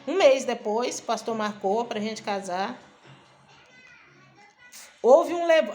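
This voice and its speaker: A high-pitched woman, a missionary and preacher, gives a chatty personal testimony. She runs the events together and plays out the dialogue in her own voice.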